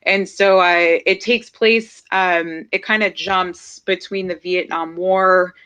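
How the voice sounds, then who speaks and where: A woman co-hosting a casual streaming podcast, talking thoughtfully with many pauses and ums. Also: lowish voice, fairly even intonation, bright, forceful tone, clear, resonant tone, muffled recording. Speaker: podcast co-host. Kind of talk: casual chat.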